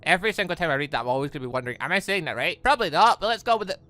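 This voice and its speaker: A man hosting a gaming channel gives let's play commentary, reading visual novel dialogue aloud and reacting to it, frequently stammering and breaking off to comment. His voice is on the high side, animated, bright, and forceful, and he talks at a racing pace.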